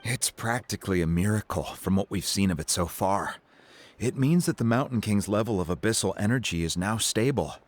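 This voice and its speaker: A man voicing a calm, thoughtful tribal chief who explains events in a game cutscene. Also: fairly low pitch, fairly quick. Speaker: tribe chief.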